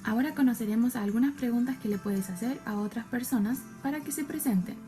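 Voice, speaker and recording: A woman narrates a scripted language lesson, pronouncing each model sentence slowly and with care. Her voice sits a little high, and soft music plays quietly behind her. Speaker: English teacher in a video.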